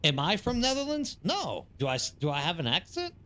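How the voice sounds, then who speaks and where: A man's voice: high voice, huge pitch swings, a little fast, a bit bright. A man from East Texas with an American accent, chatting casually and ramblingly with viewers as he streams a game. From East Texas, United States. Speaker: live streamer. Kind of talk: casual chat with livestream viewers while gaming.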